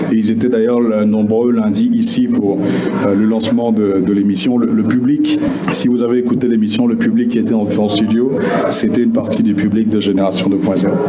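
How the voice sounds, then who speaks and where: Over audible room echo, a man speaks fairly quickly with monotone, flat intonation. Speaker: radio host. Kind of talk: interview.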